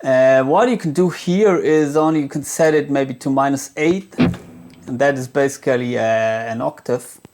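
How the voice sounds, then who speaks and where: A man talking casually through a product demo as a gear reviewer, in a hesitant, halting way as if thinking aloud. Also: mid-range voice, darkish tone.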